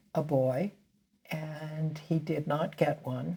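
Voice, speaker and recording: With an American accent, a woman speaks very slowly in a very deep, low voice that has a dark, mellow tone and fairly even intonation. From US West Coast, Los Angeles area. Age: 80s+. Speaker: minister and spiritual director. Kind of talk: personal interview, life story.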